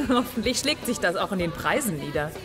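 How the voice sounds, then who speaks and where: A woman's voice: medium pitch, animated, normal speed, over music, lightly acted. An actress playing a bold, casual young woman in a sci-fi audio drama. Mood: casual, hurried.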